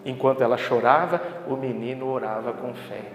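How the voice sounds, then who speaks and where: A man's voice: medium pitch, a little fast, lo-fi sound, a little hiss or hum. A man preaching a sermon in a church, emphatic and full of rhetorical questions to the congregation. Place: church hall. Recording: echoey hall with background ambience.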